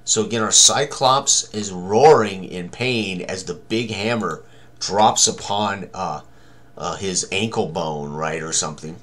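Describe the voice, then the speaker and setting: A man's voice: deep voice, a little slow, a bit bright. Older man narrating tabletop game dice rolls. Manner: short running commentary on rolls and tallies. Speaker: game master, tutorial presenter. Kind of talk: solo tabletop game walkthrough, thinking aloud. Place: small room indoors, at a computer.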